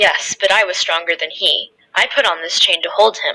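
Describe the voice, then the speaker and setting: A woman in a put-on character voice, medium in pitch, with a calm tone, ordinary pitch variation and a moderate pace. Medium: read story. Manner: calm, polite, quietly assured.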